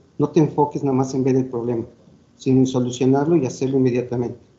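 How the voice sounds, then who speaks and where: A man is speaking with a somewhat breathy voice. Its pitch is medium. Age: 60s. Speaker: chemical engineer, COVID survivor. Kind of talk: interview. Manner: hesitant, many fillers.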